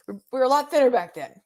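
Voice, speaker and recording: A woman's voice: sits high, a little mellow. A middle-aged woman from the eastern United States with an American accent, chatting casually and breezily as a guest. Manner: giggly, breezy. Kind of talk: casual chat.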